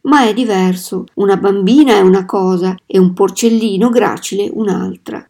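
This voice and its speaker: Woman reading as a gentle, firm farmer father. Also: medium pitch, normal speed, lightly acted.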